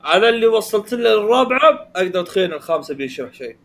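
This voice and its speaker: A man co-hosting a casual podcast chat who briskly steers the conversation. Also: sits high, lively intonation, fairly bright tone. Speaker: podcast co-host.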